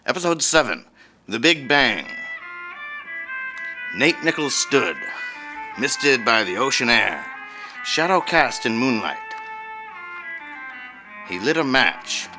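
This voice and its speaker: A man's voice: medium pitch, big pitch swings, slow, pauses often, music in the background, poor audio. A man playing a grandly earnest old-time radio announcer and mystery narrator, with a theatrical, proclaiming delivery. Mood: suspenseful, grave.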